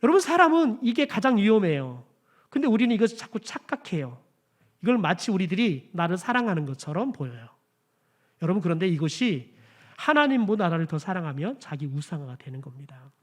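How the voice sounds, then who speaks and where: A male pastor delivers a Sunday sermon in a high, very animated voice that rises and falls all over. He keeps turning to the congregation with direct questions that he answers himself. His emphatic lines drop into quiet, hushed phrases. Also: brisk. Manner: addresses the congregation often as "여러분", asks questions and answers them himself. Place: church sanctuary.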